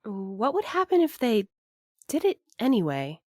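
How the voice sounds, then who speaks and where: A woman's voice: a little high, wildly swooping pitch, a little slow, darkish tone, no echo, studio quality, full character voice. A woman playing an earnest, hesitant young courier in a naturalistic audio drama, speaking thoughtfully. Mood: uncertain.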